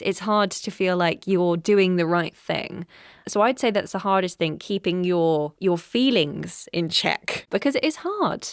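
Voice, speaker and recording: A woman voice actor talking openly about her work in a relaxed interview. She is animated, laughs easily, and dips into character voices along the way. The sound is dry and close. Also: fairly low pitch, no room sound. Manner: animated and candid, laughs often, slips into voices. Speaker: voice actor, podcast guest. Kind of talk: conversational interview.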